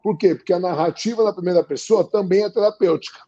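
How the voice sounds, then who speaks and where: A man talking casually in an interview, with a Brazilian Portuguese accent. He talks in an animated way, repeating phrases for emphasis and acting out what others said. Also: high voice, fast talker, dull audio. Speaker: guest.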